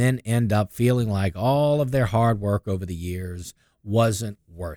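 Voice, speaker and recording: An unremarkable speaking voice from a man, fairly low in pitch with ordinary variation, at a moderate pace, in a very clean recording with a silent background and a dry, close sound with no echo. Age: 50s. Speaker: financial advisor and radio show host. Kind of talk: casual radio chat about finance. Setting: radio studio.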